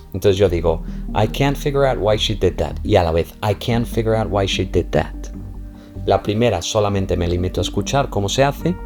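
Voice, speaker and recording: A very deep-voiced man explains his teaching method. He demonstrates pronunciation drills aloud, repeating the sounds over faint background music. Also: warm tone. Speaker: language teacher.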